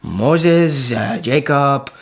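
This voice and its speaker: An actor playing an earnest young Muslim prince in a radio drama, speaking carefully and full of questions. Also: male voice, mid-range voice, expressive, extremely slow. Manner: careful, questioning, foreign-learner phrasing. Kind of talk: radio historical drama acting.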